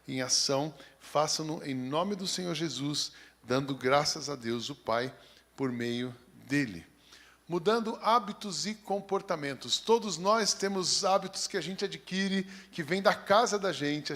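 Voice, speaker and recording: High-voiced Brazilian pastor preaching. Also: male voice, fairly bright tone. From São Paulo, Brazil. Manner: reads scripture steadily, then chats in a folksy, joking way. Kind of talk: sermon with scripture reading.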